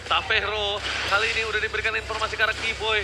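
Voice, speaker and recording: A man with an Indonesian accent casts esports play-by-play in a very high-pitched voice. He talks fast, dramatic and emphatic in his excitement. Loud noise runs behind him. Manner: dramatic, emphatic, asks and answers own questions. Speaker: esports caster.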